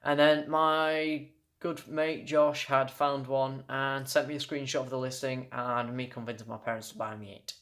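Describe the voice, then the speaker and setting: A young British man talks through a collectible in a casual home-style review. His delivery is unscripted and halting, and he trips on words and restarts them. His voice sits at an ordinary mid pitch for a man. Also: level tone, a bit bright. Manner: halting, stumbles over words and corrects himself. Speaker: toy collector reviewing an item on video.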